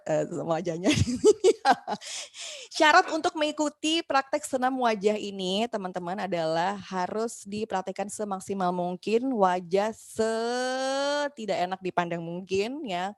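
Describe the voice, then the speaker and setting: A woman teaching an online voice workshop in a chatty, lively way, talking to listeners as friends and acting out quoted complaints. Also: mid-range voice, no echo, clean studio sound. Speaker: voice and podcasting workshop instructor. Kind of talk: casual online class teaching.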